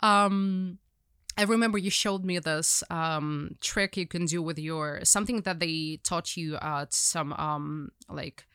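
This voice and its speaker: Woman, Ukrainian accent, young adult, rambling with fillers, low-pitched, crisp smooth voice. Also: takes it slowly, fairly bright tone, no room sound. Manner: rambling, many fillers and restarts. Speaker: guest journalist. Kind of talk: casual interview conversation.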